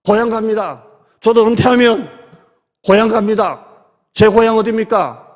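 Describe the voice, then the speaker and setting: High-voiced pastor in echoing sanctuary. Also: male voice, normal speed. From South Korea. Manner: conversational preaching, drops to soft near-whispers. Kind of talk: Sunday sermon. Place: church sanctuary. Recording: long church reverb.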